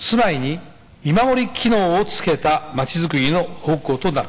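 A man's fairly high-pitched voice. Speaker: prefectural governor. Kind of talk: formal parliamentary answer. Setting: assembly chamber. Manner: formal. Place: hall. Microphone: podium.

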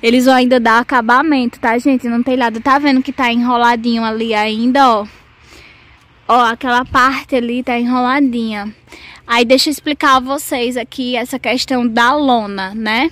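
A woman's high voice, dry with no echo, monotone and flat in intonation, at a moderate pace. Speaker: homeowner vlogger. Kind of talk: casual vlog chat. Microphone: phone near.

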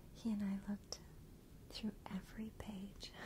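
Whispering at a very slow pace, a woman speaks with a gentle tone. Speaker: ASMR creator. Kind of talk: ASMR book page-turning video. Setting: indoors, close microphone. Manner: soft-spoken, whispered, gentle. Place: home room.

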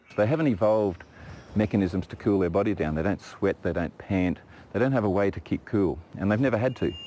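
A man with an Australian accent speaks at a fairly quick pace in a fairly low pitch with ordinary pitch variation. The sound is dry with no echo, and there is light background noise. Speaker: biologist. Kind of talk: interview soundbite. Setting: outdoors in rainforest. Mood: earnest, concerned. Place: forest.

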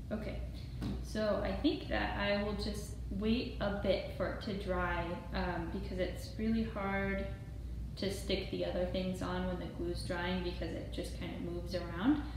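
Over noticeable background noise and strong room echo, a woman speaks at a fairly slow pace. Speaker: craft presenter. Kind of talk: casual craft tutorial. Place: meeting room. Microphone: camera far.

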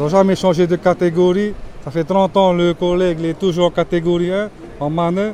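A man speaks at a moderate pace in a high pitch with monotone, flat intonation. The sound is dry with no echo, and there is light background noise. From French Polynesia. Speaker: union representative. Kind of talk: interview. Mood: calm, firm. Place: street. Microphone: handheld.

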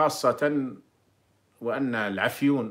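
A man speaks in an Algerian accent, his pitch rising and falling in an ordinary way. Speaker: political commentator. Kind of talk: live stream monologue. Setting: live stream. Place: home room. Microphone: phone near.

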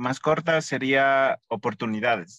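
Medium-pitched male speech, its pitch varying in an ordinary way. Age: 30s. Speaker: student, salesperson. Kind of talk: testimony.

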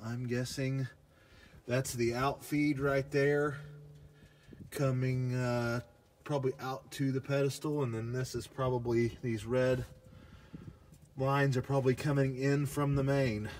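Over light background noise, a man talks at a fairly slow pace in a flat monotone, with long, frequent pauses. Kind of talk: casual vlog chat. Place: open country. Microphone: phone near.

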